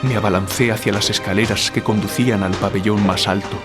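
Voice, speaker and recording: Guy acting as troubled writer, lowish solemn voice, audio drama, music behind him, sounds guilt-ridden. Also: fairly even intonation, lightly acted. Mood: solemn narrating. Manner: solemn, deliberate, literary. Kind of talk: audio drama, literary storytelling.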